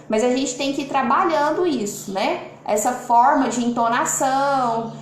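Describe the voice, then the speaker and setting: Woman, Brazilian accent, fairly high voice, expressive live-stream teacher, echoey home room. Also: unhurried, slight background noise. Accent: Brazilian Portuguese. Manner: lively, shifts loudness and tone on purpose; reads and greets viewers' comments. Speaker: lawyer and online mentor hosting a live. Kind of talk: live stream talk to viewers.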